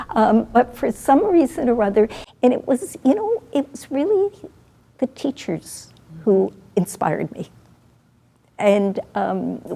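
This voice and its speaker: A woman speaks with a Canadian accent. Noticeable background noise sits behind her. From Canada, Toronto. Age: 80s+. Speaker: long-time church member. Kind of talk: interview. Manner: halting.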